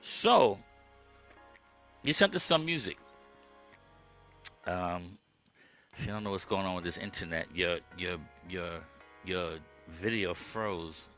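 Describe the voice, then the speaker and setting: A man hosting a podcast, chatting casually with his guest in a relaxed, conversational way from his own studio setup. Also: low-pitched, slow pace, long pauses, soft background music. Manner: relaxed, conversational, with frequent "um" and "okay". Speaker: podcast host. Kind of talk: casual interview chat. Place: home music studio.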